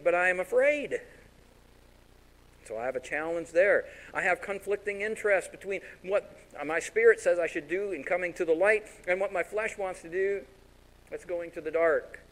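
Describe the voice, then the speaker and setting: A man's voice: on the high side, rough recording. A man preaching a sermon as pastor in a folksy, storytelling way. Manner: folksy, animated storytelling with acted-out voices.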